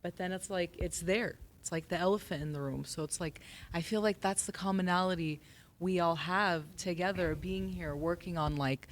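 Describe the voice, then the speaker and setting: A woman from the US with a very low voice, speaking as a guest on a podcast panel. Her talk is casual and loose, filled with "like" as she makes her points. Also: normal speed, a little hiss or hum. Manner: casual, uses "like" often.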